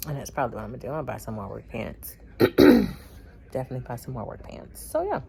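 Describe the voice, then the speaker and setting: A woman's voice: very deep voice, wildly swooping pitch, fast talker, gravelly, dark tone, slightly rough. A woman chatting casually in a vlog, laughing often and acting out bits of her story. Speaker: vlogger.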